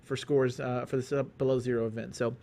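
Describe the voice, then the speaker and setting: A man's voice: medium pitch, level tone, brisk, gravelly, dark tone. A man hosting an esports stream, reading results and chatting in a rambling, joking way with many restarts. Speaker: esports caster. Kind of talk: casual esports commentary.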